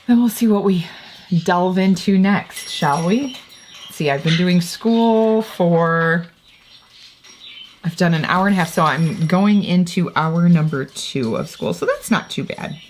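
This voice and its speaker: A vlogger and homeschooling mother talks casually to the camera at home, rambling and correcting herself as she goes. Her voice is on the low side and a little mellow, with a faint hiss or hum in the background.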